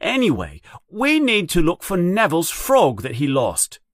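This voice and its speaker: A man voicing a bossy know-it-all schoolgirl who talks very fast. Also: high voice, huge pitch swings, dry recording, studio quality, voice pushed up, exaggerated voice. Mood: bossy, eager.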